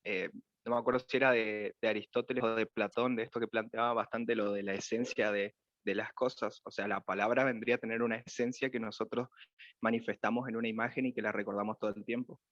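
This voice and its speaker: Hesitant low-voiced male student. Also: level tone, fast, a bit bright, dry recording, lo-fi sound. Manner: hesitant, searching for words. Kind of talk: class discussion.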